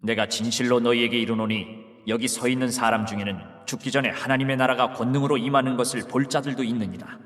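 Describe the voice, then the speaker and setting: An actor playing Jesus as a grave, authoritative teacher in a dramatized scripture reading, speaking in a solemn, measured way. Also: male voice, mid-range voice, fairly even intonation, fairly bright tone, close to an everyday voice. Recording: long hall reverb.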